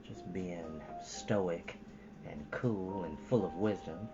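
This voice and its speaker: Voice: deep voice, slow, dull audio, loud music behind the voice. A storytime host speaking to children, moving between earnest, preachy casual asides and storybook reading, repeating points for emphasis.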